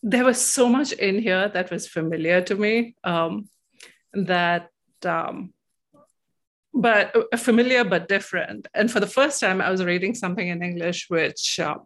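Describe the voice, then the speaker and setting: Low-pitched, thoughtful woman. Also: fairly bright tone. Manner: thoughtful, hesitant, with frequent pauses and repeated words. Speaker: interviewee. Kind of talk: reflective interview talk about personal experience.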